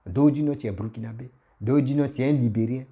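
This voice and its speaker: A man's voice: medium pitch, fast, mellow, slightly rough. A man who has a cold, giving a casual, insistent political rant that scolds his listeners. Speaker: political commentator.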